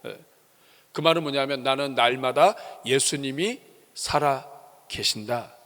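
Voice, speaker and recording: A man's voice: mid-range voice, a little slow, a bit bright, in a large hall. A male pastor giving a sermon in a church, emphatic and asking the congregation rhetorical questions. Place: church sanctuary.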